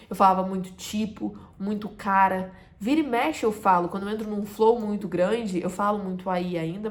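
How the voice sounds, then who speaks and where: A woman with a Carioca Brazilian accent teaches to camera as a communication coach. Her voice sits at a middle pitch for a woman. She talks emphatically and sometimes drops to a soft voice before rising again. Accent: Carioca Brazilian Portuguese. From Rio de Janeiro, Brazil. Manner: emphatic, drops to a soft voice to make a point, then rises again. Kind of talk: direct-to-camera teaching talk.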